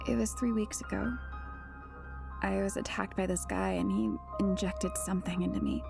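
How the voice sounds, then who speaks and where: A woman's voice: medium pitch, steady tone, moderate pace, gravelly, music in the background. A woman playing a confused, earnest teenage schoolgirl in an audio drama, speaking hesitantly and defensively. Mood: uneasy, guarded.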